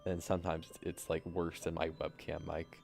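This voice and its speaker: A young man streaming while he codes, talking casually into a desk mic, halting and soft-spoken with a slightly raspy voice. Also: sits low, completely flat delivery. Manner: halting, many restarts and fillers, soft-spoken. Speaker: streamer, software developer. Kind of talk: casual live coding chat. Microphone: desk microphone.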